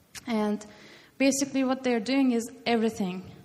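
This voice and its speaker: Over noticeable background noise, a woman talks at a fairly high pitch with fairly even intonation. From Turkey. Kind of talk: panel discussion.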